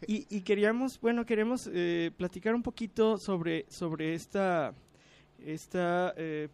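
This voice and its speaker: Hesitant high-voiced man hosting radio. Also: darkish tone, clean tone. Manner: hesitant, many fillers and restarts. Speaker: radio show host. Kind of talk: casual radio talk.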